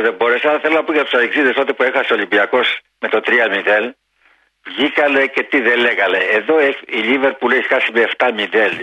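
A man's voice: medium pitch, husky. A man calling in to a radio show, talking emphatically and animatedly. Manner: emphatic, animated, addresses rival fans directly. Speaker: caller. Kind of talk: call-in radio talk. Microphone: telephone line. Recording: dull phone-line call.

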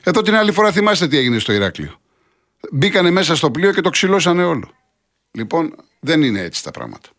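A man's voice: on the high side, big pitch swings, fairly bright tone. A man hosting a call-in radio show, chatting with callers and reading out listener messages. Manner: conversational, chats with callers and reads listener messages. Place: radio studio.

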